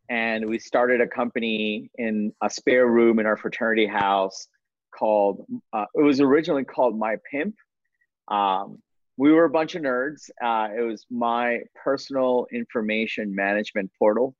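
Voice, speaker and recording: A man from Bangladesh raised in New York, a guest entrepreneur telling his stories in an energetic, self-deprecating way. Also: mid-range voice, no room sound, muffled recording. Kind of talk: casual interview storytelling.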